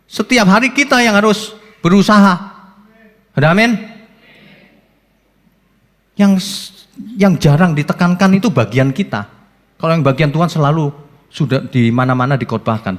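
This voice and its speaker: A man preaching in a church hall, his fairly high voice leaping up and dropping low with lively swings. His words ring out with a long reverb trailing behind. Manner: lively preaching with sudden rises and drops, rhetorical questions. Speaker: pastor. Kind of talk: sermon.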